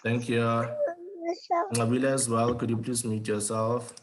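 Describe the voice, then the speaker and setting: A man's voice: mid-range voice, little pitch movement, unhurried, noisy background. A man hosting an online seminar over a video call, talking loosely with many fillers and restarts. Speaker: webinar host.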